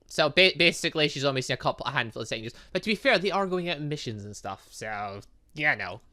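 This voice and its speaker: A man's voice: a little high, lively intonation, fast talker, pushed and bright. A man hosting a gaming video, chatting and reacting aloud as he plays through a visual novel. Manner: chatty, reacts aloud between read lines. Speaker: gaming channel host. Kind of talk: let's play commentary, reading visual novel dialogue aloud.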